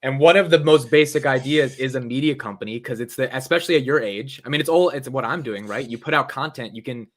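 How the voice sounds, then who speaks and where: A man's voice: medium pitch, fast talker, hardly any pauses. A man hosting a podcast, eagerly firing questions at his guest in casual chat. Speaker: host.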